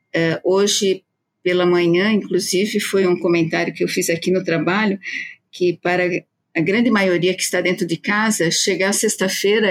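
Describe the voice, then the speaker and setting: A woman speaks in a normal speaking voice. Her pitch is fairly low and her pace moderate. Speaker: nursing director. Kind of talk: casual chat.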